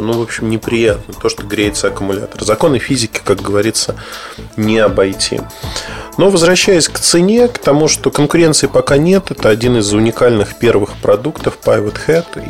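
A man's voice: on the low side, vocal fry. A man hosting a tech podcast, giving a casual, rambling gadget review full of hesitations and asides.

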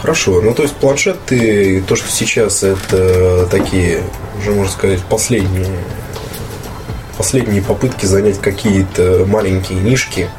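A man's voice: low-pitched, moderate pace. A man hosting a casual tech interview, chatting informally as a journalist. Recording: music clearly behind the voice. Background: background music.

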